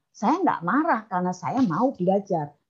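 Very wide pitch swings in a somewhat breathy voice. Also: woman. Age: 60s. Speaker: participant, mother. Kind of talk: online discussion.

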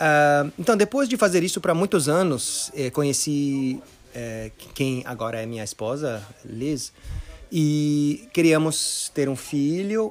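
A man with a fairly high pitch talks very slowly, his intonation lively. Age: 40s. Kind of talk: personal storytelling. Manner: halting.

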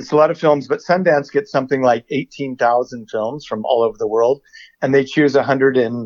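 This is a normal speaking voice with an American accent. It moves at a moderate pace with ordinary pitch variation. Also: man, medium pitch for a man. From Colorado, US (Denver area). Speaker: filmmaker and poet. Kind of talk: casual interview chat.

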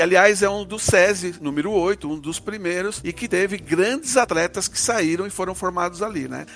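A high-pitched man speaks at a moderate pace with hardly any pauses and ordinary pitch variation, over noticeable background noise. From Brazil, São Paulo ABC region. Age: 50s. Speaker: physical education professor. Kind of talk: casual interview.

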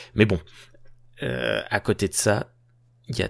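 At a fairly slow pace, a man speaks in a very clean recording with a silent background. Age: 20s. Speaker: podcast host, film reviewer. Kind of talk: solo casual review podcast. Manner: halting, many fillers and repetitions.

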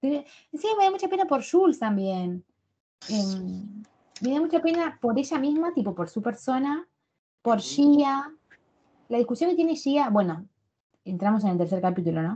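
Fairly slow, with long, frequent pauses, a dark, mellow tone, very wide pitch swings and a Rioplatense accent. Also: woman, high pitch for a woman. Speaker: podcast co-host. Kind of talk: casual chat. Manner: animated.

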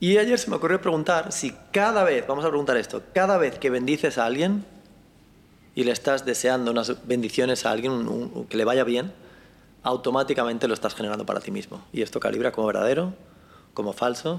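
A man speaks at a medium pitch. His pace is fairly quick and his intonation lively. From Galicia, Spain (Fisterra). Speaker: entrepreneur and author. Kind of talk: interview. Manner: animated.

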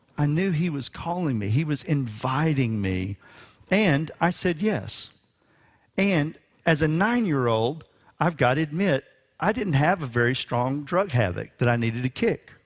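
Pitched fairly high, a man with a Texan accent speaks with very wide pitch swings on a very clean recording with a silent background. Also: moderate pace. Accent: Texan American. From West Texas. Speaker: pastor. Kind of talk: sermon. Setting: church.

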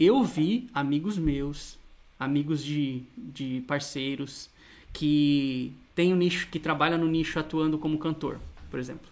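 A man with a fairly high pitch, ordinary pitch variation and a fairly slow pace. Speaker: podcast co-host, voice-over teacher. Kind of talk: casual chat. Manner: animated.

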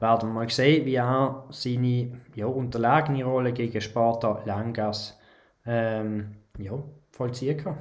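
A man at a fairly slow pace, fairly even in intonation, with audible room echo. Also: medium pitch for a man. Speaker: podcast host. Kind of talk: casual chat.

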